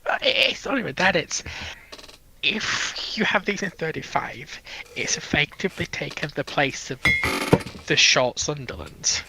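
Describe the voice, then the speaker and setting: A man's voice: fairly high pitch, lively intonation, unhurried, vocal fry, background noise. A man taking part in a casual technical discussion, offering commentary in a conversational way. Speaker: discussion participant.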